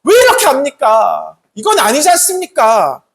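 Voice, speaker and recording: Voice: sits high, wildly swooping pitch, moderate pace, vocal fry, pitched above the performer's own voice, heavily acted. A preacher acting out angry day laborers who protest their equal pay, in a raised, pleading voice during a sermon. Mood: indignant. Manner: indignant, pleading, rising loudness. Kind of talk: sermon storytelling.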